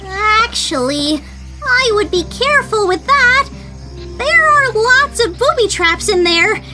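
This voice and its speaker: A woman's voice: very high voice, big pitch swings, takes it slowly, over loud music, heavily acted. A woman voicing an upbeat, sensible young female monkey tour guide in a fan audio drama. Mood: helpful, cautioning.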